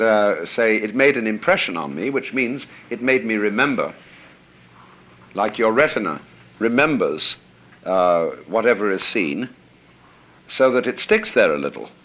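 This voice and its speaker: A man's voice: mid-range voice, pushed and bright, poor audio. An older man giving a reflective, anecdotal lecture, musing aloud with frequent "you see" and hesitant "uh"s. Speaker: lecturer on philosophy.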